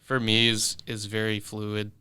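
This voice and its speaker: A young man in his twenties who grew up in London talks through his answers in a relaxed, halting way, full of "um" and "like." His voice sits a little low yet sounds bright and forward. The tone is exceptionally clean and smooth. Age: 20s. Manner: relaxed, hesitant, many fillers and restarts. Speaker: guest musician. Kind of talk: casual interview answers. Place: studio.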